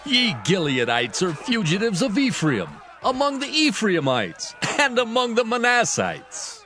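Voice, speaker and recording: A man's voice: high-pitched, huge pitch swings, a little slow, bright, forceful tone, slight background noise, full character voice. A man acting an angry, threatening tribal warrior in a scripture drama, hurling belligerent accusations in archaic English. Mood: scornful.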